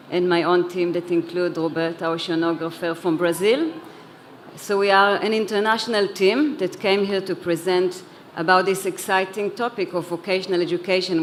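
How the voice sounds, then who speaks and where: A woman's voice: on the low side, a little hiss or hum. A woman who grew up in Israel, speaking earnestly on a conference panel, with a few restarts and repeated words. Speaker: panelist, head of an education organization. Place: conference hall.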